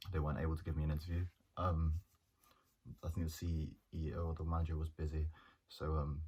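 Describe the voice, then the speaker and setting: A man speaks very fast in a very deep, low voice with a dark, mellow tone and some breathiness. His intonation is monotone and flat, broken by long, frequent pauses. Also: very even loudness. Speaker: journalism student. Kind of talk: casual vlog reflection. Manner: halting, many fillers.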